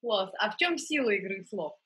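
Bright, husky woman interviewer. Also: medium pitch, expressive, normal speed. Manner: enthusiastic, praising, inviting. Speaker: interviewer, host. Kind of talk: interview questions.

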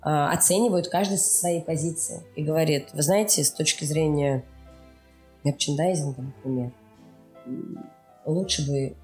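A woman's voice: deep voice, moderate pace, darkish tone. A woman giving explanatory interview answers, going step by step and often checking she is followed. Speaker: animation studio production executive interviewed as guest. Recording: roomy echo with faint music behind.

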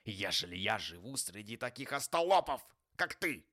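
A man's voice: fairly low pitch, big pitch swings, normal speed, fairly bright tone. A man reading an audiobook voices a grumpy, stingy old miser who talks in a scornful, harsh, snapping way. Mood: grumbling.

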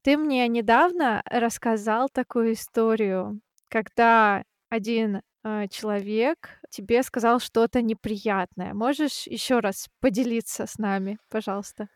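Lively friendly woman from Siberia. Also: a little high, unhurried, no room sound, studio quality. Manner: friendly, lively, laughs easily. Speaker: podcast host. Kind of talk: casual chat.

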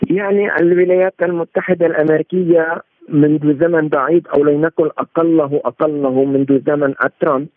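A male analyst giving interview commentary in formal Standard Arabic, explaining at length and sometimes correcting himself haltingly. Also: a little high, dry recording. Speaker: political and economic analyst, interview guest. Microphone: remote phone-like connection. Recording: tinny narrowband phone-like line.

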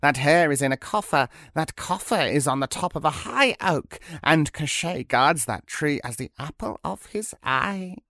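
A man voicing a bony-legged old witch, knowing and gruff in manner, in a storybook reading. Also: fairly high pitch, lively intonation, a little slow, few pauses, pushed and bright, no echo, clean studio sound, voice pushed up, heavily acted. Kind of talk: storybook character voice.

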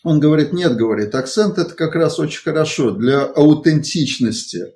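Man recounting work experience, halting delivery. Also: fairly high pitch, animated, darkish tone. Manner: halting, digressive, reformulates as he goes. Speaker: engineering consultant. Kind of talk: conversational account of work experience.

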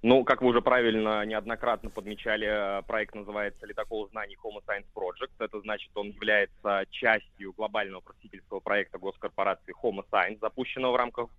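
A man's voice: fairly low pitch, little pitch movement, fast, hardly any pauses, no echo. A man speaking as a guest by phone, fluent and eager, with many filler sounds. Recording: phone line.

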